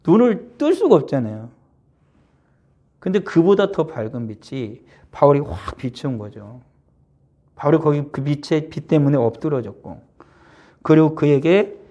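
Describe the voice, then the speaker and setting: A man's voice: a little high, dark tone, muffled recording. A male pastor giving a midweek sermon in a conversational way, acting out scripture quotes as everyday speech. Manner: conversational preaching, acting out Jesus's words in plain speech.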